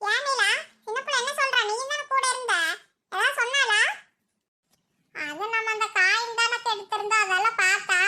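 A woman's voice: very high voice, pushed and bright, heavily acted. A woman voicing the caring, scolding older women of a village family in a cartoon. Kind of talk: cartoon voice acting.

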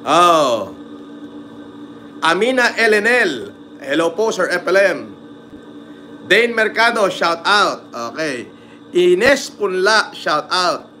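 Slow, bright-voiced man with a Batangas lilt. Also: high voice, animated, a little hiss or hum. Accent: Batangas Tagalog. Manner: teasing and crude, gives many shout-outs. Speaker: livestream host reading viewer comments. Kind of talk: casual livestream chat.

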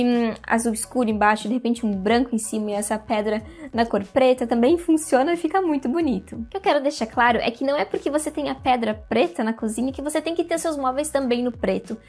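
A young woman hosting an interior design video, talking casually to the camera on a lapel mic in a room, with lots of hand gestures. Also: a little high. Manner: chatty, animated hand gestures, addresses viewers directly. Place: indoor room with curtains and plants.

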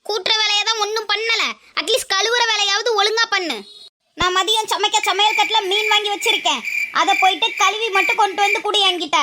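A woman's voice: very high voice, fairly even intonation, fairly quick, noisy background. A woman voicing a scolding, fed-up mother-in-law in a cartoon, nagging and wailing at her daughter-in-law. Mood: exasperated. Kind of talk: cartoon voice acting.

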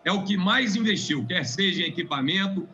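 A male lawmaker delivering a formal speech on the chamber floor, pressing his points and repeating them for weight. His voice sits high and sounds bright and forceful. The broadcast audio is somewhat dull and lo-fi. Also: lively intonation, brisk. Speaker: state legislator. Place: legislative chamber.

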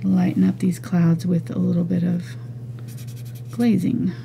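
Low, gravelly, mellow woman teaching painting. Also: level tone, measured pace, a little hiss or hum. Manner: chatty, thinks aloud, soft asides. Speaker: painting instructor. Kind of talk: relaxed step-by-step art lesson.

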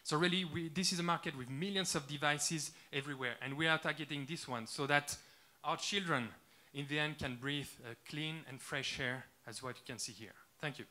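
A man in his thirties with a French accent, giving an earnest startup pitch on a conference stage into a handheld mic, with frequent "uh" fillers. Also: brisk, bright, forceful tone, a little hiss or hum. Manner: earnest, eager, with many "uh" fillers. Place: large dark conference stage with audience.

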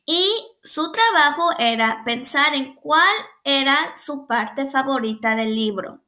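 High, slow-spoken woman teacher. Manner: patient, asks the children questions and praises them; animated, sounds out the animal noises. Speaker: preschool teacher. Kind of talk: reading a picture book aloud to young children.

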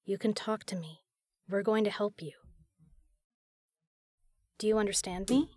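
A woman's voice: mid-range voice, a little slow, a little mellow, no room sound, studio quality, lightly acted. A woman playing a tough, capable spy in an audio drama, flirty yet caring. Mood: gentle, soothing. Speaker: voice actor in a fan audio drama. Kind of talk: audio drama acting, intimate.

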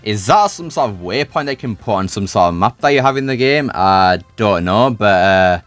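Animated man giving casual game commentary. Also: on the low side, moderate pace, soft background music. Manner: informal, thinking aloud. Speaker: video creator.

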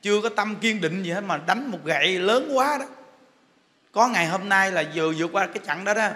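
A man's voice: high-pitched, lively intonation, brisk, bright, forceful tone. A middle-aged man with a Southern Vietnamese accent giving a humorous sermon as a monk, joking and teasing like a chatty storyteller. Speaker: monk giving a dharma talk. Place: temple hall. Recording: long hall reverb.

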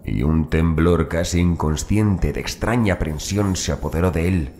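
Very deep-voiced man narrating horror. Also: normal speed, darkish tone, slight background noise. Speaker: audiobook narrator. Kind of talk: scripted horror audiobook narration.

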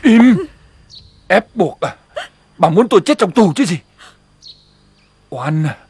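An actor playing a bitter, domineering village husband who barks orders in a harsh voice in a TV drama. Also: male voice, high voice, very animated, measured pace, a little mellow, dry recording, heavily acted. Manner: harsh, gravelly, barking commands. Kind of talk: TV drama acting.

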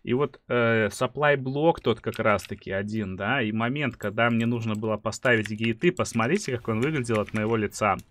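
A man in his thirties commentating a video game play-by-play in an animated, emphatic way, often repeating phrases. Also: fairly low pitch, normal speed, few pauses. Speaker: gaming streamer. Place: small dim room indoors.

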